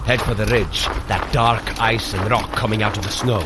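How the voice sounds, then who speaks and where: An actor voicing a hearty, teasing thunder god who gives commands in archaic phrasing in an audio running adventure. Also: male voice, fairly low pitch, steady tone, moderate pace, background noise, natural voice. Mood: hearty, steady. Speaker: workout guide character in an audio running drama. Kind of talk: dramatised fitness audio adventure.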